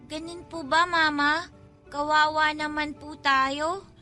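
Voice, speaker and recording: A woman's voice: high-pitched, fairly even intonation, slow pace, bright, forceful tone, faint music behind, exaggerated voice. A woman playing an innocent, hungry young schoolgirl in a Filipino radio drama, speaking politely and full of childlike questions. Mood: innocent, concerned. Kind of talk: Tagalog radio drama acting.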